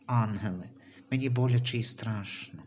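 A man voicing a timid, trusting unborn baby boy in a Christian audio story, speaking softly and questioningly. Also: fairly low pitch, normal speed, highs cut off, a little hiss or hum, natural voice.

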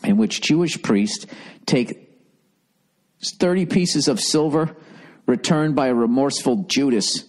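A man's voice: medium pitch, animated, unhurried, long pauses. A middle-aged man reading a text aloud and breaking off into sarcastic, profane comic asides. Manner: sarcastic, profane running commentary. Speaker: comedian. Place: dim study with leather chair.

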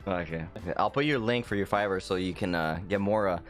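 Young french guy gaming at his desk, laid back, swears a bit, soft music under it. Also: sits low, quick pace. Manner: relaxed, laughs a lot, swears casually. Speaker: gaming YouTuber posing as a student. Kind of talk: casual gaming chat. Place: home room at desk.

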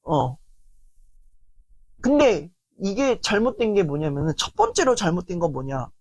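A man giving a lecture on family relationships in a lively, rambling way, often acting out family arguments. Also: high-pitched, gravelly, no echo. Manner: animated, heavy use of fillers, acts out quoted family arguments. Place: lecture stage.

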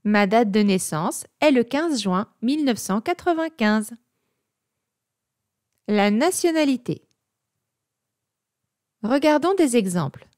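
A woman narrating a scripted vocabulary lesson, speaking in a slow, clear and deliberate way. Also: a little high, lively intonation, a little mellow, dry recording, clean studio sound. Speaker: teacher.

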